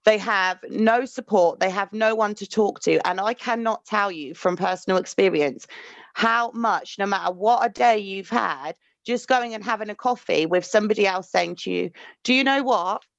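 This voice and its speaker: A woman's voice: medium pitch, moderate pace, gravelly, no room sound. A woman talking in a heartfelt, emotional way as a podcast host in casual chat. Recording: dry, dull lo-fi audio.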